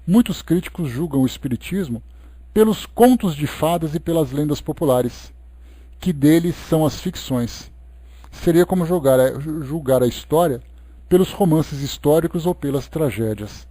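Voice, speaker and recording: Male Brazilian lecturer for religious book study; didactic yet conversational, mellow timbre, close dry sound. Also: a little high, lively intonation, moderate pace, no echo. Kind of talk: expository study talk, reading aloud and explaining.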